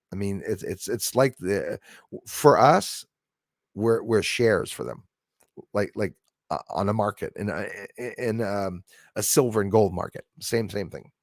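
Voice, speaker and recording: A man in his forties with a Canadian accent, hosting a casual livestream in a rambling, halting way as he responds to viewers. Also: fairly low pitch, creaky, no room sound, clean studio sound. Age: 40s. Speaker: livestream host. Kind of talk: casual live chat, reacting to viewer comments.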